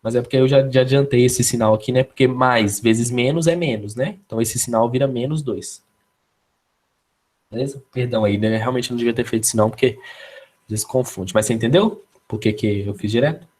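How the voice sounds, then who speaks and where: A man's voice: medium pitch, brisk, a little mellow. A man with a Brazilian Portuguese accent teaching a live online physics class, casual and constantly checking in with his students.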